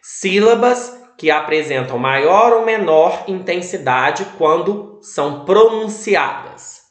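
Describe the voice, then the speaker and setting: A male teacher giving a recorded video lesson, explaining slowly and stressing each syllable. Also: sits high, animated, a bit bright, roomy sound.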